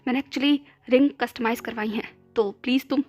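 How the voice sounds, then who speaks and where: A man's voice: extremely high pitch, fairly even intonation, normal speed, no room sound, soft background music. A woman voicing a lovestruck young male CEO who pleads and hurries his words. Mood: insistent.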